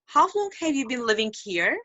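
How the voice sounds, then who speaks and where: A woman's voice: fairly high pitch, very animated, moderate pace, pushed and bright, no echo. A woman from Turkey, an English student, reading a practice dialogue carefully over a video call. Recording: dull dry video call audio.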